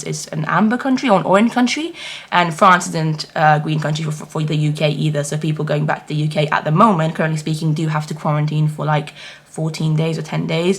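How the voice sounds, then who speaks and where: A woman's voice: low voice, a bit bright, slightly rough. A woman chatting casually to her viewers as a travel vlogger, in an informal, rambling way. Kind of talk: casual vlog chat to camera.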